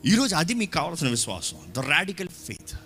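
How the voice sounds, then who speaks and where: Animated, bright-voiced preacher man. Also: fairly high pitch, normal speed, soft background music. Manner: shouting, mixing Telugu with English phrases. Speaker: pastor. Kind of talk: lively sermon to a congregation. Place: church hall.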